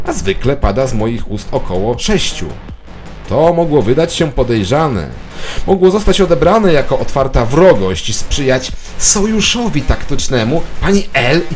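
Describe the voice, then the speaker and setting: A man playing a paranoid, suspicious office worker in an audio drama monologue, obsessive, conspiratorial and bitterly sardonic. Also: mid-range voice. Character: paranoid, suspicious male office worker narrating his dreary day.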